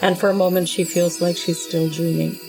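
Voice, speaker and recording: A woman's voice: fairly low pitch, level tone, brisk, gravelly, poor audio. A woman playing a tabletop game, narrating her character in the third person in casual, piecemeal phrases. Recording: music playing under the voice.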